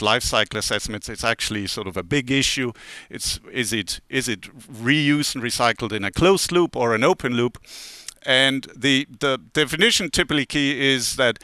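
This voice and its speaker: A man's voice: medium pitch, bright, forceful tone, clean tone, no room sound. A man in his forties giving a casual academic talk at a conference lectern, with many fillers and restarts and wry asides. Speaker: conference speaker. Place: conference hall, standing at a lectern.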